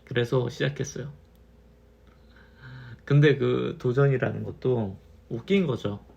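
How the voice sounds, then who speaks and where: A man in his thirties, a little tipsy from wine, musing slowly in a casual monologue and repeating his phrases. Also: medium pitch, creaky, a little mellow, dull audio. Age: 30s. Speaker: channel host.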